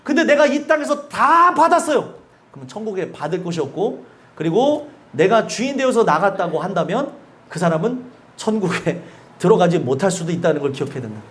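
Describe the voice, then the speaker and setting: A male pastor preaching a sermon in a church, animated, asking the congregation questions and laughing between points. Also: high-pitched, fairly quick. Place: church sanctuary.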